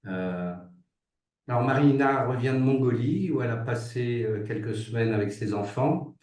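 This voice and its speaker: A man's voice: medium pitch, lively intonation, moderate pace, a little mellow. A man hosting a webinar and informally introducing a guest, with a hesitant, stop-and-start delivery. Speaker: webinar host. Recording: roomy echo, far from microphone.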